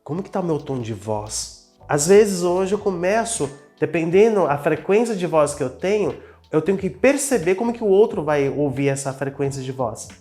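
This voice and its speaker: Higher-voiced Brazilian man telling his story. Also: animated, moderate pace, dark tone, soft background music. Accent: Brazilian Portuguese. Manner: earnest, personal, self-reflective storytelling. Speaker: business owner and guest. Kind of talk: casual conversation.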